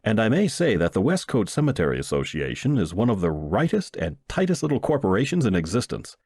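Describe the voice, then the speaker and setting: A man reading a short story aloud as scripted, expressive audiobook narration. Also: fairly low pitch, brisk, slightly rough, no echo, studio quality. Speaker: story reader.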